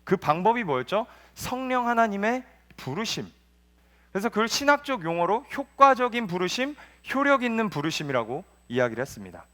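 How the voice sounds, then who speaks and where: A man, a junior pastor, preaching a sermon at a youth service in church in a lively storytelling manner, asking the congregation questions. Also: high-pitched, a little fast, big-room sound.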